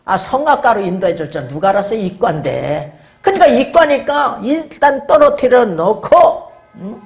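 Animated high-voiced woman pastor preaching. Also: normal speed, soft background music. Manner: emphatic preaching with frequent "응?" and "어?" prompts to the congregation. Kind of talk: sermon.

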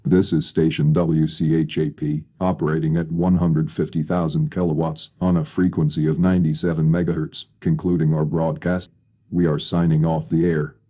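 A very deep male announcer speaks in a flat, measured, formal way. His voice comes through as an old radio broadcast, muffled and lo-fi. It has a cramped, dull tone. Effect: old radio broadcast sound. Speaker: station announcer.

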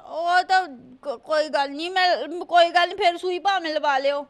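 A woman voicing a cheeky little boy who whines and begs to be adopted, with quick comebacks. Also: very high voice. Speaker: comedy show host.

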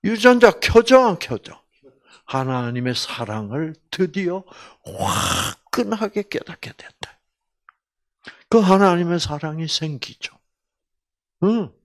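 A man, a doctor, giving a faith-based health lecture: he tells a story with sudden loud jumps, quizzes the audience with constant questions, and drops to a whisper to act out quoted lines. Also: high-pitched, expressive, slow. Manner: acts out quoted speech and drops to whispers for effect.

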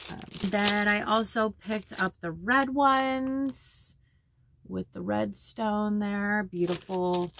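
A woman in her thirties with a cold, a little raspy, chatting casually through a haul of products she holds up to the camera in a small bedroom studio. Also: fairly low pitch, a bit bright, a little hiss or hum. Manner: chatty, lists product details while holding items up. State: has a cold, slightly raspy. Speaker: beauty haul vlogger.

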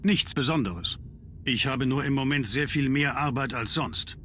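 A man voicing a curt, bright-toned nobleman. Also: mid-range voice, normal speed, slight background noise, lightly acted. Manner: curt, dismissive. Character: irritable nobleman, curt and aloof. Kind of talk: game dub.

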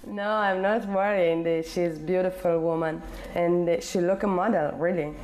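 A woman in her twenties from Ethiopia, answering interview questions in halting English with many pauses and fillers. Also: fairly low pitch, steady tone, darkish tone, rough recording. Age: 20s. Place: indoor living room.

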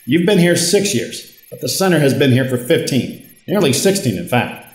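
A man plays a put-upon boss telling his own story in an audio drama. His voice sits at a medium pitch, and his delivery is dry and wry. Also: sing-song, moderate pace, breathy edge, low-quality recording. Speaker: narrator and character. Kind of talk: first-person audio drama narration and dialogue.

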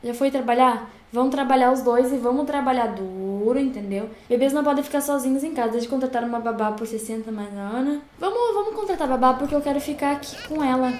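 A woman's voice: sits high, fast talker, hardly any pauses, darkish tone, roomy sound, a little hiss or hum. A Brazilian woman with a Brazilian Portuguese accent gives chatty, gushing let's-play commentary and talks to her viewers. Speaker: gaming YouTuber.

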